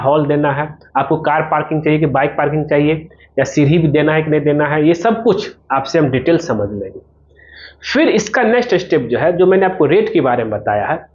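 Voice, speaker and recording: A man's voice: on the high side, darkish tone, highs cut off. A man giving an informal promotional explainer as a civil engineer, talking the viewer through his service step by step and directly.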